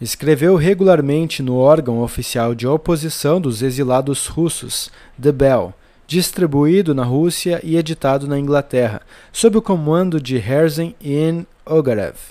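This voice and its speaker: This man's dark, mellow voice sits fairly high in pitch, with ordinary pitch variation. He speaks at a fairly slow pace. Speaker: podcast narrator reading books aloud. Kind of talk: reading aloud.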